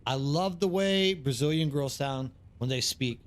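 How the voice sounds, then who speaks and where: Man, American accent, slightly higher pitch, casual livestream chat, rambling, informal gamer talk. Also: measured pace, slight background noise. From East Texas, United States. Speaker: live streamer. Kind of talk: casual chat with livestream viewers while gaming.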